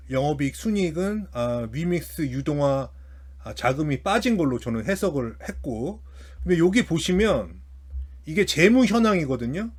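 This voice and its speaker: A man hosting a finance commentary, talking through an analysis unscripted and hesitantly, often repeating and restarting his phrases. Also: a little high. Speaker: host of a finance commentary channel.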